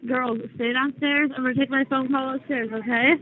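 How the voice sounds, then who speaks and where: A woman's voice: sits high, fairly even intonation, fairly quick. A woman on a phone call turns away to speak to her children, her hand over the phone. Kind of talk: casual phone chat. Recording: tinny phone line with faint background noise.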